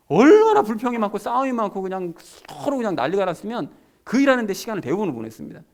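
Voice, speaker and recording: Man, pastor, sermon, conversational, emphatic, fast talker, lively pitch. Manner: conversational, emphatic, addresses congregation directly.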